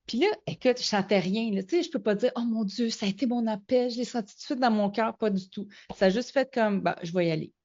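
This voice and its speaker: Animated Québécois woman telling stories. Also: on the high side, quick pace, few pauses. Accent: Québécois French. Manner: animated storyteller, acts out quoted dialogue. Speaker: guest. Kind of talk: casual storytelling interview. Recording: slightly muffled lo-fi audio.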